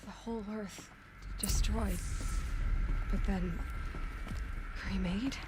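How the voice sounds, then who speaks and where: A woman playing a brave, questioning young tribal warrior with an intent, measured delivery in a cinematic game. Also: mid-range voice, steady tone, heavy background noise, close to an everyday voice. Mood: troubled wonder. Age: young adult.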